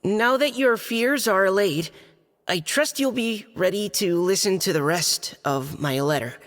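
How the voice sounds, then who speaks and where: A young actor playing a shy, hesitant surveyor who stammers while reading a letter aloud. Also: male voice, high voice, expressive, measured pace, a bit bright. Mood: formal. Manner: nervous and hesitant, stammers and clears his throat. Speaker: letter reader. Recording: game audio with reverb and music.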